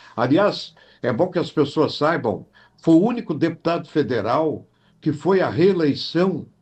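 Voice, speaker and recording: Fairly high-pitched for a man, his intonation is lively. The background is quiet. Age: 60s. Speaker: journalist and political candidate. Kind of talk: interview. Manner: animated.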